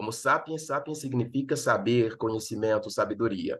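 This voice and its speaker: A man in a somewhat breathy voice talks at a moderate speed, with a quiet background behind him. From Benin. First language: a Beninese local language (speaking Portuguese). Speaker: professor and educator. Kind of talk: lecture. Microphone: phone internet connection, no headphones.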